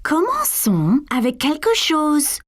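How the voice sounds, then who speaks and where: A gentle cartoon mom, high lively voice, slow and patient. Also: female voice, exaggerated voice. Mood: encouraging. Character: gentle patient young mother. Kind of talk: dubbed cartoon acting. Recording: cartoon soundtrack with music beneath.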